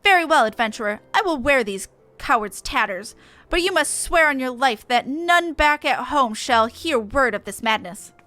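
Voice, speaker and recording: A woman's voice: high voice, lively intonation, normal speed, pushed and bright, no echo. A woman voicing a proud, indignant tribal warrior from a fantasy game, declaiming in formal, archaic phrases.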